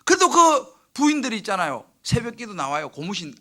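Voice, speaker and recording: Animated high-voiced man preaching a sermon. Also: a little fast. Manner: animated storytelling, acts out quoted prayers and crying; swings from loud bursts to hushed near-whispers. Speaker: senior pastor. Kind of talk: sermon at a midweek service. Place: church sanctuary.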